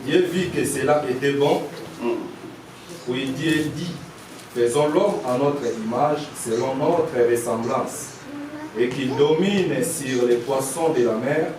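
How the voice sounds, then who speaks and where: Male reader, slow measured Bible reading, roomy distant church sound. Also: mid-range voice. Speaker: scripture reader. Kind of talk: reading scripture aloud. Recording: echoey church hall, mic from far off, noisy.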